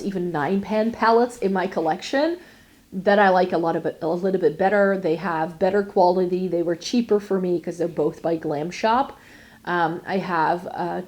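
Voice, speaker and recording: A woman's voice: fairly low pitch, a little mellow. A woman chatting casually through a makeup palette review, with lots of fillers and restarts. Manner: chatty, many fillers and self-corrections. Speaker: beauty vlogger.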